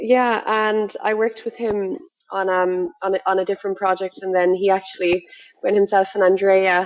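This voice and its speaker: With a Limerick accent, the speaker moves at a moderate pace in a monotone, flat intonation. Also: woman, medium pitch for a woman. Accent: Irish (Limerick). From Ireland, Limerick. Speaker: digital marketing agency founder. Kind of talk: interview.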